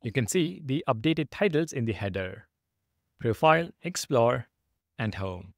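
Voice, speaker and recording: A man's voice: mid-range voice, expressive, unhurried, dry recording, clean studio sound. A man narrating a step-by-step programming screencast as the instructor, in a methodical, instructional manner.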